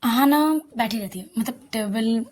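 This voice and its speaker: A woman's voice: a little high, unhurried, a little mellow. A woman narrating a love story in a loose, conversational way, often correcting herself mid-sentence. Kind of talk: casual audio story narration.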